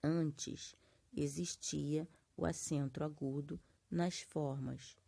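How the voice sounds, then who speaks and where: A woman's voice: sits low, steady tone, takes it slowly, gravelly, warm tone, husky. A Brazilian woman teaching a grammar lesson, explaining patiently and drawing out example words syllable by syllable. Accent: Brazilian Portuguese. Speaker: Portuguese teacher. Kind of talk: classroom lesson.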